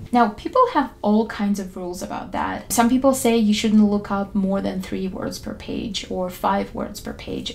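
Woman with a dark, gravelly voice. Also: medium pitch, a little hiss or hum. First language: not English. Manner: calm, candid, explanatory. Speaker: language learning YouTuber. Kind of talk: scripted talk to camera. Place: bedroom with photo-covered wall.

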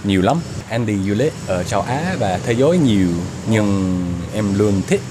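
A young American man, a native English speaker, giving casual interview answers in broken, halting Vietnamese, searching for words with a foreign accent. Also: on the low side, lively intonation. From United States. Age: young adult. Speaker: YouTuber being interviewed. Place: open-air restaurant or cafe. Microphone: handheld small mic with windscreen, shared. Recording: noisy outdoor ambience, traffic and hum.

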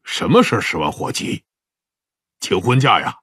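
A man playing a gruff, teasing middle-aged police chief in an audio drama. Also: lowish voice, huge pitch swings, normal speed, fairly bright tone. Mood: teasing, grumpy.

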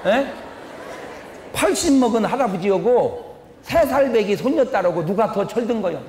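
A man's voice: sits high, lively intonation, moderate pace, a little mellow, a little hiss or hum. An older man preaching a humorous revival sermon as a pastor, telling folksy stories, quizzing the audience and acting out family quarrels. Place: large church hall. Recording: echoey hall with long reverb.

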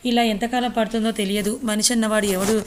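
A woman's voice: on the high side, fairly even intonation, quick pace, a little hiss or hum, lightly acted. A woman voicing a stern, blunt female doctor who speaks firmly. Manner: firm, blunt.

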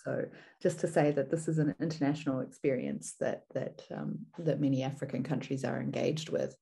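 A woman speaks with a New Zealand accent in a deep, soft-edged voice. She presents like a seminar teacher, measured and explanatory, setting out points step by step. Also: steady tone, creaky. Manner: measured, didactic, poses rhetorical questions.

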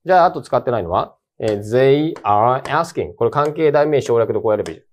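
A male teacher explains English grammar to exam students in a relaxed, slangy way. His pitch jumps around a lot as he stresses key points, and his voice sits at an ordinary middle height. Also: fairly quick, slight background noise. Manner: lively, colloquial, emphatic. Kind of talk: casual exam-prep lecture.

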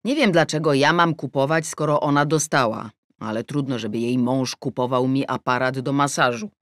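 A woman's voice: a bass voice, normal speed, dry recording, clean studio sound. Wry woman narrating an audiobook. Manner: wry, ironic storytelling. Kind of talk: first-person audiobook narration.

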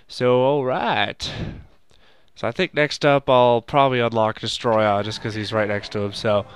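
A young man with a stuffy nose from a cold, rambling through casual let's-play commentary and shouting at the game now and then. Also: mid-range voice, steady tone, measured pace, a little hiss or hum. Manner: rambling, makes sound effects and shouts at the game.

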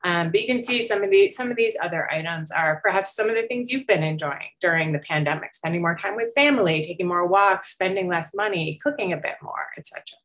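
A middle-aged woman with a slightly low voice gives an informal research talk over a video call. She explains her findings in a conversational way, softening points and checking that listeners follow. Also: lively intonation, brisk, few pauses. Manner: conversational, explanatory, with frequent hedging and rising check-ins. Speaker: academic researcher presenting survey results. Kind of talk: informal slide presentation. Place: indoor room, on a video call.

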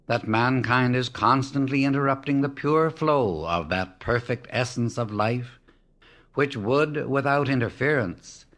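A man reading a devotional book aloud as an audiobook narrator, in a measured, reverent way with long pauses. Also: mid-range voice, a bit bright. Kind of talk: slow, solemn reading of devotional text.

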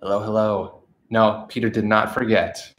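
Brief: stuffed-up man in his 30s with a lowish voice, chatty livestream host at home on the couch. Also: little pitch movement, moderate pace, fairly bright tone. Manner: chatty, upbeat, reads out viewer messages. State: stuffed-up nose from allergies. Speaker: channel host. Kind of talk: casual livestream chat. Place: living room with a couch, indoors. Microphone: camera facing him at close range.

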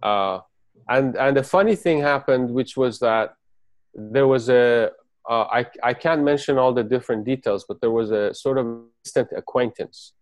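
Man, Farsi first language, halting, restarts, dry sound, mid pitch, video call. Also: dry recording. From Persian, raised in the UAE. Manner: halting, many fillers and restarts. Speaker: interview guest. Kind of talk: reflective spoken account.

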